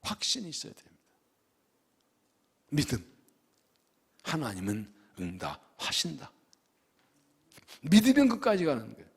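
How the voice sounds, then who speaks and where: A man preaching a sermon as pastor, with sudden loud rises and soft drops, acting out pleading prayers. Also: a little high, huge pitch swings, a little slow, gravelly, pauses often, husky. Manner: acts out prayers and quotes in a pleading voice. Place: church sanctuary. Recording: long reverb of a church hall.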